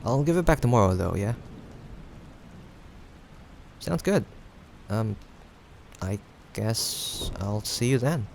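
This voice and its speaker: Casting: man as teasing, caring young guy friend for audio roleplay, lowish voice with vocal fry, casual and reassuring, rain behind. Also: lively intonation, a little mellow, heavily acted. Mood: warm, reassuring. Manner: casual, teasing, chuckling, hesitant pauses. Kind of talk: improvised audio roleplay addressed to the listener. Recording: faint background noise, rain ambience. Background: rain sound effects.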